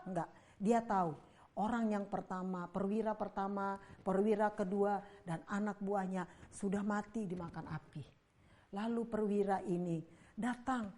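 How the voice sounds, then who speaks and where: High-voiced woman telling a Bible story to children. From Indonesia. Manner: lively, with sound effects and questions to the children. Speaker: Sunday school teacher.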